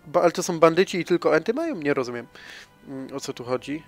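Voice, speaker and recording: A man commentating his own strategy gameplay, thinking aloud, addressing viewers and swinging between soft mumbling and sudden loud exclamations. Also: on the high side, lively intonation, fast talker, soft background music. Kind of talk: casual let's-play commentary.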